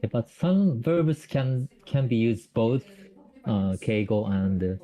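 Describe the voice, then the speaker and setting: Speaking slowly and animatedly in a warm, mid-range voice, a Japanese man tutors grammar over a call in English with a Japanese accent. He often restarts sentences and fills pauses as he hesitates.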